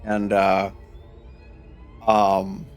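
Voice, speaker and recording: A man's voice: sits low, completely flat delivery, extremely slow, faint music behind. Rambling man streamer in his thirties. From Michigan, United States. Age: 30s. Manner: rambling, restarts often, reads and answers chat. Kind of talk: casual chat while gaming.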